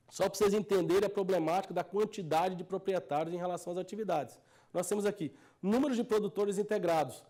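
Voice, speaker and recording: A man's voice: high voice, dark tone. A man with a Brazilian Portuguese accent, a technical advisor giving an explanatory lecture to farmers, earnest and driving his points home with repeated phrases.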